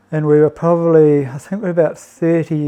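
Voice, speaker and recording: A man in a New Zealand accent talks at a moderate pace, his fairly high-pitched voice dark and mellow in tone. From New Zealand, Auckland. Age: 60s. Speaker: sailor sharing personal testimony. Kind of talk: testimony. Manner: halting, many fillers and restarts.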